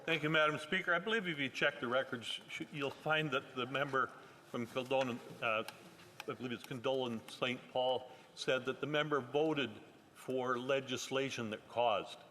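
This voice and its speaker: A man's voice: medium pitch, normal speed, pushed and bright. A man with a Canadian accent speaking as a member of parliament on a point of order. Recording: reverberant chamber hall.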